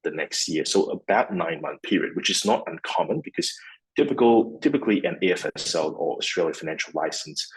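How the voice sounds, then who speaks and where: Super low husky guy from malaysia, rambling interview answers, lots of restarts. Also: expressive, fairly quick, rough recording. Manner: rambling, with many restarts and fillers. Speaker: guest, fund CEO.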